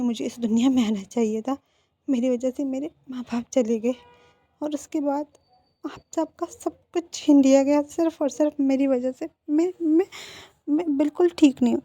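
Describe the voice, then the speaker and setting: A woman's voice: on the high side, flat delivery, normal speed, hardly any pauses, mellow, dry recording, natural voice. A woman voicing a heartbroken young man who cries and blames himself. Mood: anguished. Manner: tearful, pleading. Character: heartbroken young man, crying and guilt-ridden.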